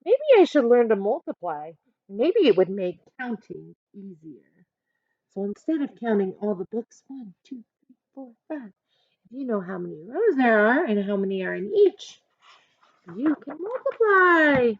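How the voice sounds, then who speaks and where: A woman teacher reading a picture book aloud to children, expressive and instructive, breaking off to speak directly to her young listeners. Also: fairly high pitch, measured pace, no room sound, dull audio.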